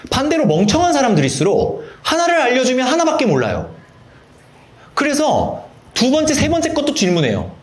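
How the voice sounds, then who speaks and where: A man giving a Bible study lecture at a church, lively and acting out quoted voices. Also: very high voice, fairly quick, roomy sound. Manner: animated, acts out quoted voices.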